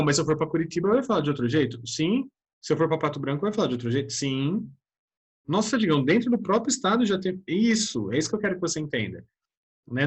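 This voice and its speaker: A man's voice: a little high, slightly rough. A man with a Brazilian accent teaching an online lesson, chatty and always checking in with his students. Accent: Brazilian Portuguese. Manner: chatty, keeps addressing the class with tag questions.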